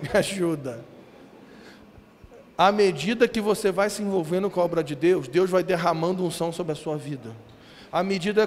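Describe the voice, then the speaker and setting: Animated Brazilian preacher in a reverberant hall. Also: male voice, high-pitched. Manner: animated, slangy storytelling with acted-out quotes. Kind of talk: sermon with storytelling. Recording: reverberant hall with faint ambience.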